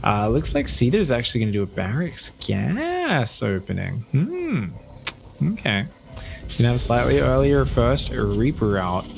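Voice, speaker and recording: A man casting a live esports match with energetic, hyping play-by-play and frequent fillers. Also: mid-range voice, normal speed, gravelly. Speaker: esports caster.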